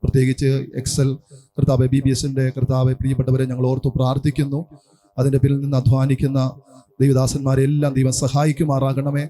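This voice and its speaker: A pastor leading a public prayer in a rapid, steady delivery, often repeating "Lord". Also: male voice, medium pitch, slight background noise. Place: church hall, indoors.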